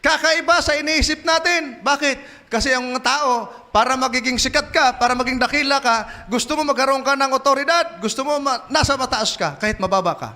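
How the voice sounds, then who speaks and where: A male preacher from the Philippines giving a church sermon, telling stories and building to loud, emphatic peaks. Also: very high-pitched, fairly quick.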